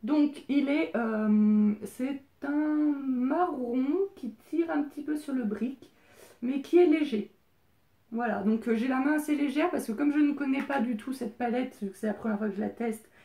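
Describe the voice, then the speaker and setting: Female beauty vlogger, higher-pitched, talks through a makeup look in a hesitant, chatty way; roomy echo on the recording. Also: dark tone. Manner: chatty and hesitant, many filler pauses. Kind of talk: casual makeup tutorial.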